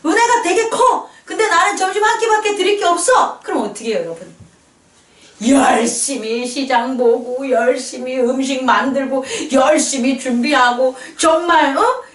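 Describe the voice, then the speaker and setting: A woman pastor preaching a sermon in a lively, playful way, acting out quoted voices and laughing often. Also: high voice, moderate pace, reverberant, recorded from a distance. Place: church hall.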